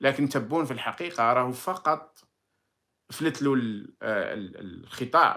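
A man speaks in a bright, sharp tone at a very slow pace. His intonation is lively, and the background is quiet. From Algeria. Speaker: political commentator, former diplomat; political commentator. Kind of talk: political monologue. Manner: animated. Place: home room. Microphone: phone near.

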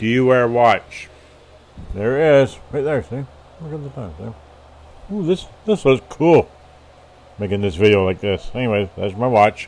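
At a moderate pace and medium pitch, a man speaks with lively intonation, big swings in loudness, and long, frequent pauses. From Canada, Nova Scotia. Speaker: vlogger. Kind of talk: casual vlog answering tag questions. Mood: relaxed and chatty. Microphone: webcam.

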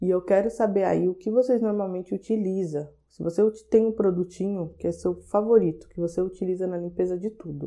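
With a Brazilian accent, a woman speaks at a fairly quick pace in a dark, mellow tone of medium pitch. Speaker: cleaning tips youtuber. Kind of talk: tutorial. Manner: animated.

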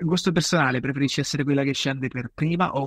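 Recorded very cleanly with a silent background and a dry, close sound with no echo, a man has a plain, everyday voice at a medium pitch with fairly even intonation. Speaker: podcast host. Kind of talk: casual interview chat.

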